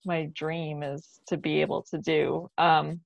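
A woman's voice: low-pitched, level tone, measured pace, gravelly. A young adult woman chatting casually as a guest on a video call roundtable. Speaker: panel guest, playwright. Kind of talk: casual chat. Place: bright living room, indoors. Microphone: video call, computer mic. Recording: dull lo-fi video call audio.

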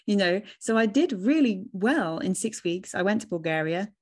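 A woman in her thirties hosting a relaxed, thoughtful chat over a video call, speaking into a studio microphone with headphones on at home. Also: mid-range voice, normal speed. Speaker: host. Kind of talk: casual conversation. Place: home room with bookshelves, indoors. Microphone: studio mic with headphones on a video call.

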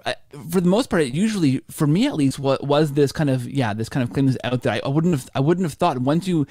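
Halting man thinking aloud, dry sound. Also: fairly high pitch, lively intonation, darkish tone, no room sound. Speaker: podcast host. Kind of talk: casual podcast discussion. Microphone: video call microphone.

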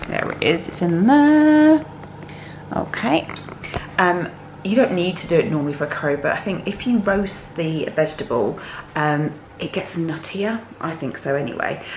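Low-voiced woman, slightly hoarse. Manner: chatty, many ums, stresses points with "okay?". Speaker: cooking vlogger. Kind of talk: chatty cooking vlog to camera. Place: home kitchen, indoors. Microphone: handheld camera close to face. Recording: echoey kitchen with faint hum.

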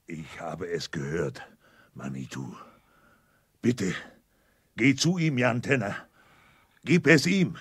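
Husky, stern tribal chief. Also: male voice, sits low, lively intonation, no echo, studio quality, full character voice. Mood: solemn, reverent. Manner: slow, solemn, forceful. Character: stern, suspicious Native American chief, reverent. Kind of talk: 1980s German children's audio drama acting.

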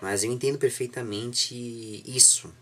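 A young man with a Brazilian accent and a slightly husky voice, chatting reflectively as an interviewer, repeating and rephrasing himself earnestly. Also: medium pitch, normal speed. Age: young adult. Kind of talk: casual reflective interview chat. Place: small home room indoors, seated on a sofa.

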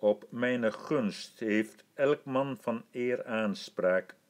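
A gracious old emperor, put on by a male reader of an old storybook, speaking with slow, deliberate dignity. His words come out formal and measured, full of calm command. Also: mid-range voice. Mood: stately. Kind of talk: audiobook reading.

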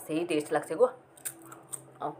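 A woman's voice: deep voice, lively intonation, rapid-fire, dark tone, a little hiss or hum. A woman food vlogger chewing while she talks to her viewers during an eating show. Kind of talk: casual eating show chat.

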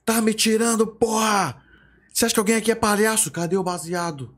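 A man voicing a short, aggressive police chief who shouts and curses while retelling a story. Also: high voice, steady tone, fairly quick, pitched above the performer's own voice. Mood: enraged. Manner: shouting, cursing.

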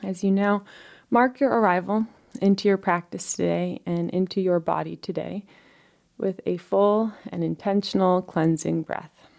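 A woman leading a guided relaxation, giving soft, unhurried instructions in a gentle, soothing manner with frequent pauses between phrases. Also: lowish voice, fairly even intonation, vocal fry.

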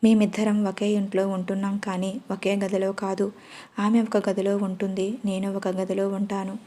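A woman voicing a calm earnest young boss. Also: medium pitch, moderate pace, natural voice. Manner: earnest, pleading.

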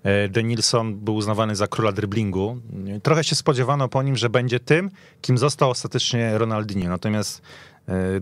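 A man's voice: lowish voice, no room sound. A man discussing football as a pundit on a radio podcast, in a conversational way. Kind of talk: animated sports podcast discussion. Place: radio studio.

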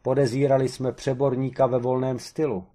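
A man voicing a blunt male detective who speaks loudly and bluntly. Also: medium pitch, flat delivery, voice pushed up, natural voice.

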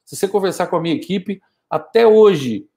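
A man in his fifties giving a forceful, scolding motivational talk on a live stream, using an earphone mic in a small home studio. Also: high voice, lively intonation, fairly quick. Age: 50s. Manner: forceful, scolding, gestures a lot. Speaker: motivational speaker. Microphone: wired earphone mic, webcam framing.

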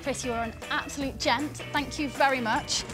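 A woman's voice: sits high, steady tone, normal speed, over music. A young woman, an antiques expert, musing aloud and chatting casually in a shop. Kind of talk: casual on-camera talk.

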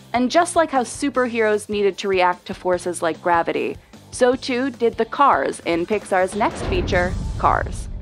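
A woman giving scripted narration for an explainer video, clear and measured. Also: mid-range voice.

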